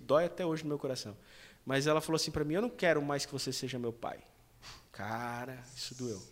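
Fast-talking Brazilian man, personal stories. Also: a little high. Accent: Brazilian Portuguese. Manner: emotional personal storytelling. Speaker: panelist. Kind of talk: casual faith discussion.

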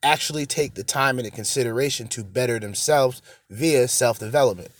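A solo show host delivers a casual, opinionated monologue, blunt and loaded with slang and swearing, repeating phrases to drive points home. He has a mid-range voice, talks fairly quickly, and the recording is dry.

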